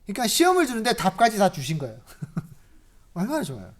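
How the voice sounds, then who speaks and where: A preacher giving a sermon, emphatic and lively, constantly asking the congregation questions. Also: medium pitch, fairly quick. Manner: asks the congregation many rhetorical questions; lively, emphatic, rises in volume on key points.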